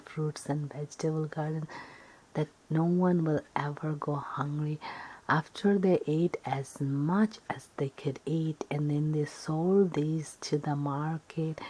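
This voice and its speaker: A woman telling an ASMR story softly and breathily, often slipping into whispers, in a rambling, improvised way with repeated phrases and lists. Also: low-pitched, poor audio.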